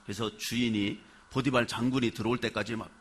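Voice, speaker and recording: A male pastor preaching a sermon, telling the story with animated flair and putting questions to the congregation. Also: mid-range voice, brisk.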